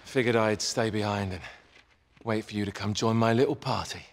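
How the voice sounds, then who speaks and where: A man's voice: on the low side, moderate pace, long reverb tail, slight background noise, lightly acted. A British man playing a wounded, bitter villain with sly charm in a video game, sounding weak and pained. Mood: bitter mockery. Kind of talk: video game cutscene acting.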